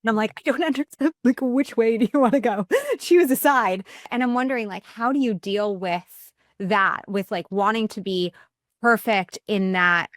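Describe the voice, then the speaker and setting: A woman's voice: fairly high pitch, normal speed, no room sound, studio quality. A woman hosting a podcast, upbeat and chatty, often laughing as she asks questions. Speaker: podcast host. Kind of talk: podcast interview.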